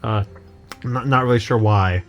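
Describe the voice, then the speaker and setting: A man's voice: on the low side, unhurried, faint music behind. A young man co-hosting a casual chat, stammering and repeating words as he rambles through an absurd improvised story. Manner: stammering, repeats words, goofy nonsense humor. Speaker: co-host.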